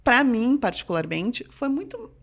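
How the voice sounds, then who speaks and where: A woman from southern Brazil with a Rio Grande do Sul accent, sitting as a guest on a casual podcast. Her voice sits a little high, and she tells her stories with energy, slipping into the voices of the people she quotes. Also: a little slow, creaky. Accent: Rio Grande do Sul Portuguese. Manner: animated storyteller, acts out quoted voices. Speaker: podcast guest, sports reporter. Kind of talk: casual storytelling interview.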